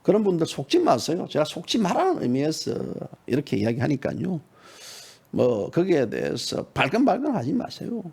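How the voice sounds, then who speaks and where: A middle-aged man delivers partisan political commentary in a mocking, heated manner. His voice sits high and swings widely, with a gravelly, husky edge. He drops into low mutters, then jumps to sudden high shouts. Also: wildly swooping pitch, normal speed.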